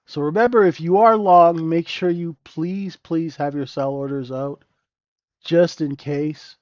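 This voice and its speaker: A man's voice: on the high side, steady tone, a little slow, dry recording, highs cut off. A man hosting a live trading room, talking through the chart with a stuffy, nasal voice and sniffling, keeps asking "right?".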